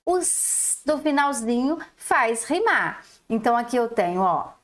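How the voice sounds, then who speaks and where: A woman's voice: on the high side, very animated. A woman teacher, giving a recorded lesson to young children and stretching out each syllable as she explains. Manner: slow, drawn-out syllables, explaining. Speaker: primary school teacher.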